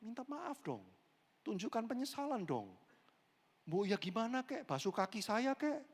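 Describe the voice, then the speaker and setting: Man, pastor, high animated voice, acts out characters, church hall with long reverb. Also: moderate pace. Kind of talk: lively sermon with acted-out dialogue.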